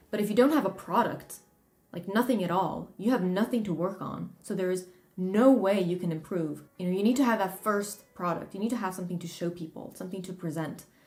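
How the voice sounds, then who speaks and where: A woman's medium-pitched voice in a slight British accent, at a fairly quick pace with ordinary pitch variation. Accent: slightly British-tinged. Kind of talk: casual talk to camera.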